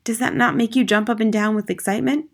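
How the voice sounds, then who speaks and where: A woman's voice: on the high side, fairly even intonation, quick pace, gravelly, pitched above the performer's own voice. Woman acting a polite, resolute schoolteacher. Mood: earnest, probing. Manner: earnest, polite, firm. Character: slim, frail, polite but resolute young schoolteacher. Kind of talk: acted audiobook dialogue.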